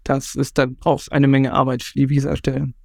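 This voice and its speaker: A man hosting an interview, reading prepared questions and facts in a brisk manner. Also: mid-range voice, completely flat delivery, vocal fry, a little mellow, slight background noise. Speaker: host. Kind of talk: scripted interview moderation.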